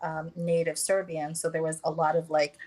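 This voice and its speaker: An American woman talking as a guest in a casual conversation, pausing often with fillers and restarts. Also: low voice, little pitch movement, heavy background noise. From United States. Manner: hesitant, many fillers and restarts.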